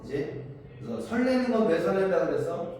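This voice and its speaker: A high-voiced man with lively intonation and a darkish tone lectures a little fast on Korean poetry. He keeps asking his students questions and answering them himself as he explains the poems. Faint noise and echo come through from a distant recording.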